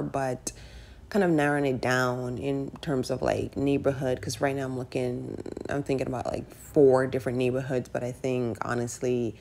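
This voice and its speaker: A woman's voice: rumbling low, gravelly, darkish tone. A woman in her thirties chatting casually and candidly in a voice-over, with fillers like "like" and "right". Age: 30s. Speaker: personal finance vlogger. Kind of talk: casual voice-over over screen recording.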